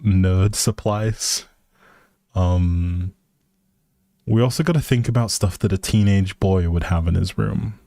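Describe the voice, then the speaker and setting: With music playing behind him, a man hosting a life simulation game livestream chats casually and shows polite appreciation for his viewers. His lowish voice has a dark tone, captured in a dry, clean studio recording.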